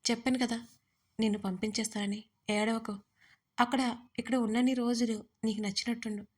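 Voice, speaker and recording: A woman voicing a calm, blunt young husband in an audio story, steady and unmoved. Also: on the high side, brisk, natural voice. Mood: coaxing.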